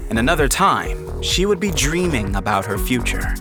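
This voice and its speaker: A man delivers scripted narration for a fiction podcast. His voice sits at an average pitch for a man, and music plays clearly behind him. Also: sing-song, normal speed. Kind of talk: scripted audio drama narration.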